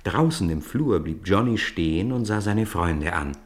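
An actor narrating a school tale in a radio play, in a measured, literary storytelling manner. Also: male voice, low voice, expressive. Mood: wry, composed.

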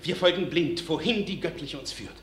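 An actor playing a devoted, believing French army officer in a classical verse radio play, earnest and declamatory. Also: male voice, fairly high pitch, normal speed, echoey room, natural voice. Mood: earnest devotion.

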